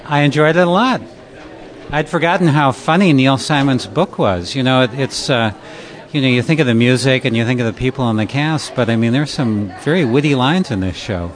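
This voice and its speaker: A man's voice: medium pitch, brisk. Thoughtful male theater critic. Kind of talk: interview answers.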